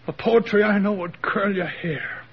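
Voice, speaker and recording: A badly wounded young soldier, his raised voice gravelly and strained as he drags out each word between gasps of pain. He stays wry even while hurting. The old radio broadcast sounds dull and faint. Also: sits high, measured pace, a little hiss or hum. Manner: gasping, wry through the pain. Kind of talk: 1940s radio drama acting.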